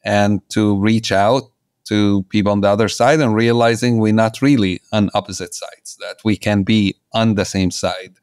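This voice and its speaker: Low, smooth-voiced man. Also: steady tone, moderate pace, darkish tone, no room sound, studio quality. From Jerusalem. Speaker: interview guest, peace activist. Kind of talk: personal storytelling.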